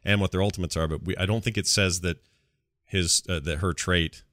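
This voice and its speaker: Bright-voiced man chatting on a podcast. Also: deep voice, fairly even intonation, a little fast, dry recording, clean studio sound. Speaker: podcast host. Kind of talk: casual gaming podcast chat.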